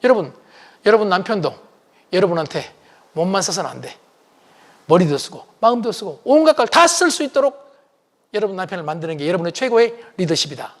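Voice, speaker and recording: High-voiced middle-aged male lecturer. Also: very animated, brisk, long pauses. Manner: acts out dialogue, quizzes the audience. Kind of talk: lively public lecture.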